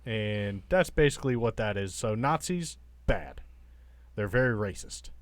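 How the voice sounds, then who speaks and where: A man's voice: on the low side, lively intonation, a little slow, dry recording. A man talking and explaining things casually as a player in a tabletop game.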